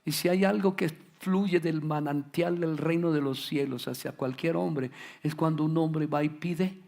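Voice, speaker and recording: A middle-aged man preaching a sermon as pastor, animated and acting out the voices he quotes. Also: a little high, a little slow, vocal fry.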